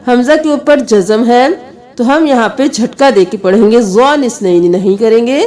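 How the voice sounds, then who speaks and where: A woman's voice: a little high, normal speed, mellow. A woman teaching Quran recitation, patiently spelling out letters and vowel marks one by one, then chanting the verses melodically. She has an Urdu-speaking South Asian accent. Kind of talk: step-by-step tajweed lesson with chanted recitation.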